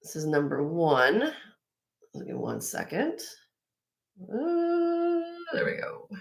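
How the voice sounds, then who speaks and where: A woman with a slightly raspy voice hosting a live jewelry sale, chatting casually and admiringly as she shows each piece, with frequent fillers and restarts. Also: lowish voice, huge pitch swings, slow. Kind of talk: casual show-and-tell product presentation.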